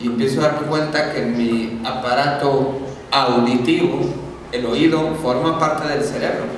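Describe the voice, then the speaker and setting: Speech at a fairly slow pace with fairly even intonation carries strong room echo and light background noise. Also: man. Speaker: workshop facilitator. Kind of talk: guided meditation talk to an audience. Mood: calm, guiding. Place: hall.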